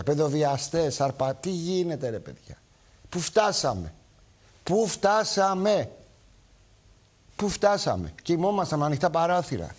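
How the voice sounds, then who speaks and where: A man's voice: a little high, a little mellow. A man hosting a live television talk show, speaking emphatically to viewers and repeating his points.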